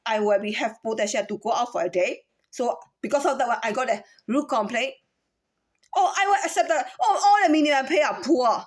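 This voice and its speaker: A woman from Myanmar talks to camera in a rambling monologue. Her voice sits high, and she keeps firing rhetorical questions and restarting her sentences. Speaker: vlogger.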